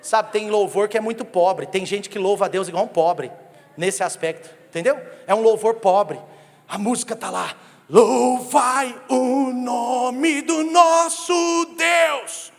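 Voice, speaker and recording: High-voiced Brazilian pastor, animated and joking. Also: male voice, moderate pace. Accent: Brazilian Portuguese. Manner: humorous, animated storytelling that jokes with the congregation. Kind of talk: sermon. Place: church sanctuary. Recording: long reverb of a church hall.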